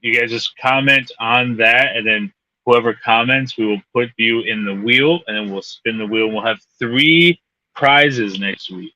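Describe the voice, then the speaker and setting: A man co-hosting a casual chat, explaining things in a rambling, halting way. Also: mid-range voice, pushed and bright, no echo. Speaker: podcast co-host. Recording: dull lo-fi audio.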